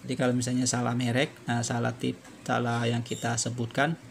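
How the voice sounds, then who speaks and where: A man presenting an unscripted step-by-step repair tutorial, halting and repetitive as he explains. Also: mid-range voice, monotone, vocal fry, a little hiss or hum.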